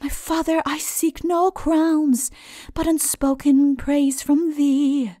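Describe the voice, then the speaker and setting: A woman voicing an earnest, selfless young prince in a storybook ballad, chanting with drawn-out phrases. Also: high-pitched, flat delivery, warm tone, soft background music, voice pushed up. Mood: earnest, resolute. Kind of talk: slow sung ballad storytelling.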